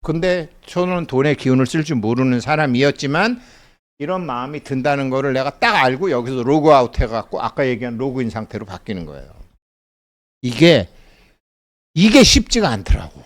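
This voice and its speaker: A man's voice: medium pitch, very animated, brisk. A middle-aged man giving a casual lecture, chatty, telling stories and laughing often as he acts out little bits of dialogue.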